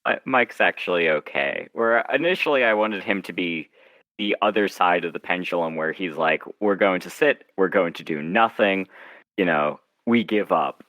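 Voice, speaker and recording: A man's voice: low voice, normal speed, fairly bright tone, no echo. A man speaking as an author being interviewed, chatting informally and often slipping into imagined quotes to make his point. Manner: informal, acts out imagined lines of dialogue. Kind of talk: casual interview chat.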